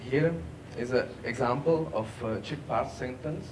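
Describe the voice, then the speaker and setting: A man giving a technical workshop presentation, halting with many fillers. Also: medium pitch. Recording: distant mic, background noise.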